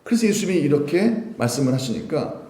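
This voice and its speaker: A male pastor preaching a Sunday sermon, animated and full of rhetorical questions to the congregation. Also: fairly high pitch, fairly quick. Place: church sanctuary. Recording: roomy church echo.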